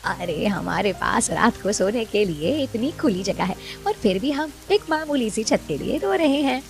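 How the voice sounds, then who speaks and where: A woman voicing a bossy, stingy middle-aged mother-in-law in an animated story. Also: mid-range voice, unhurried, gravelly. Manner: bossy, scheming.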